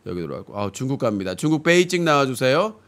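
Blunt streaming host with a sore throat. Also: male voice, mid-range voice, sing-song, fast talker, a bit bright. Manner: filler-heavy, blunt ranting. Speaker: streaming news-comedy host. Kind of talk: satirical live-stream commentary. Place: small room with fish tank, indoors. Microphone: desk mic on stand, webcam framing.

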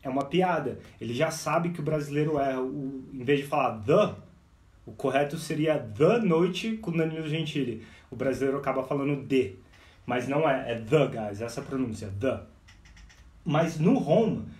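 A man's voice: mid-range voice, animated, normal speed, darkish tone. A man giving a live English lesson, explaining with lots of energy and calling the viewers "guys". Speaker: English teacher. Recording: echoey, speaker far from the mic.

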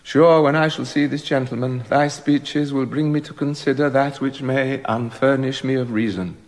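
A man's voice: mid-range voice, steady tone, close to an everyday voice. A man playing a guilt-haunted, stammering king. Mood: troubled. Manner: halting, stammering with emotion. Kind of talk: radio drama acting.

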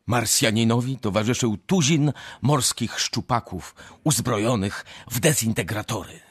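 A man narrating a radio drama as an expressive, scripted storyteller. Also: medium pitch, a little slow, husky, dry recording.

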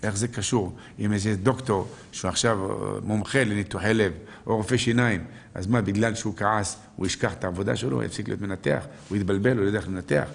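A man's voice: fairly low pitch, fairly even intonation, vocal fry, hardly any pauses. A man, a rabbi, giving a live sermon, posing rhetorical questions to his listeners and answering them, quoting verses and sages.

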